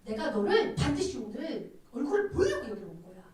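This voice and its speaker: Woman pastor doing a gentle savior voice, soft and coaxing, lots of lilt, big echo from far off. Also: on the high side, very animated, a little fast. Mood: tender, pleading. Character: gentle divine male savior, tender and pleading. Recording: very echoey room, distant mic.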